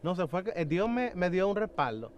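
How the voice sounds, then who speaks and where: A young man giving an earnest, halting personal testimony in an interview, acting out quotes as he tells it. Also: high-pitched, big pitch swings, muffled recording, background noise. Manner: earnest, halting, with many fillers and acted-out quotes.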